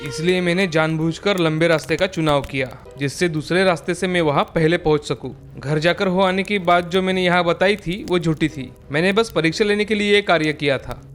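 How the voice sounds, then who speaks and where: Woman doing a gruff old village elder. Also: on the low side, voice pushed down, natural voice. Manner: gruff, scolding, measured. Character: stern old village elder, shrewd and scolding.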